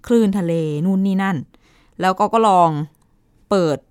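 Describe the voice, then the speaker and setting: A woman co-host telling a science news story in a relaxed, chatty radio conversation, with playful asides. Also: moderate pace, smooth, no echo, studio quality. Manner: chatty, explains with playful asides and pitch swoops.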